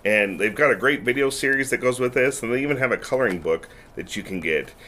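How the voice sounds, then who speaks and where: A man's voice: mid-range voice, fast, bright, forceful tone. Male church co-host, easygoing and affirming, faint hiss under the voice. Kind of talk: casual chat.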